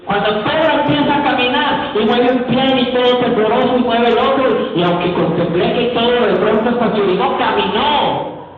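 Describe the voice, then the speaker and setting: Guy preaching a sermon, high voice, big echoey hall, sounds far off and tinny like a phone. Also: faint music behind. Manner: emphatic, with dramatic pauses and repetition.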